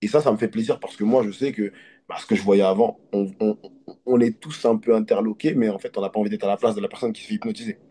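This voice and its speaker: A man from Côte d'Ivoire, a hypnotist, talking in an earnest, reflective and halting way as an interview guest. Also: fairly low pitch, fairly even intonation, warm tone, faint music behind. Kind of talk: casual interview conversation.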